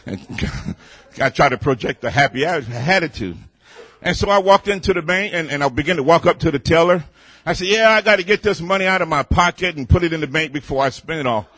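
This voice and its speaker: A man preaching a sermon in a loud, boisterous way, building up to near shouting and easing back into storytelling. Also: fairly high pitch, expressive, a little fast, no echo.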